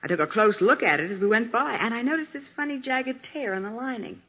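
Young American female assistant: bright, animated, curious, dull vintage radio crime drama recording. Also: a little high, fairly quick. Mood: excited, wondering. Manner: girlish, exclaiming, curious. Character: eager, observant young female detective's assistant.

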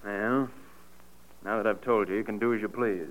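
A man's voice: lowish voice, steady tone, moderate pace, natural voice. An actor playing a blunt, sarcastic diner owner who turns fatherly, in an old radio drama. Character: gruff protective diner owner, middle-aged. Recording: dull old radio recording with faint hiss.

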